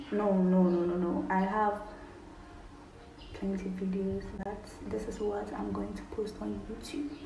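A woman's very slow speech, with audible room echo and noticeable background noise. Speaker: vlogger. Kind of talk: casual vlog chat. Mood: playful, laughing. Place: home room. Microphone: phone near.

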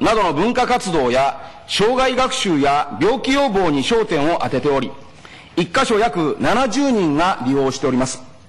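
The pace of this voice is fairly slow. Its pitch swings very widely. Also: man. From Japan. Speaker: prefectural assembly member. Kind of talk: formal parliamentary questioning. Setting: assembly chamber. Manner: formal. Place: hall. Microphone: podium.

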